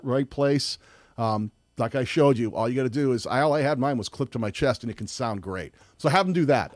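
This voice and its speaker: A man with a loud voice hosting a live-streamed tutorial, chatty and rambling with frequent restarts. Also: mid-range voice, no room sound, studio quality. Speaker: host.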